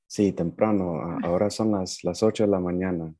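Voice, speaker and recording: A young man from Nicaragua, raised partly in the United States, talking casually as a podcast guest and often pausing to find his words. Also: low voice, steady tone, warm tone. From Nicaragua, moved to the United States at seven. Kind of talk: casual conversational storytelling.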